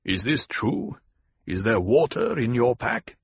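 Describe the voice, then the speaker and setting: A grave desert tribal leader, as a male reader voices him, rumbling low and slow. His tone is steady and deliberate. The sound is husky and dry. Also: no echo, exaggerated voice.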